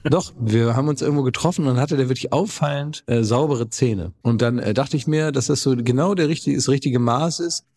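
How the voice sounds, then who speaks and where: A man's voice: mid-range voice, brisk, darkish tone. A man hosting a casual podcast chat over a video call, joking and rambling through stories. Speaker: podcast host.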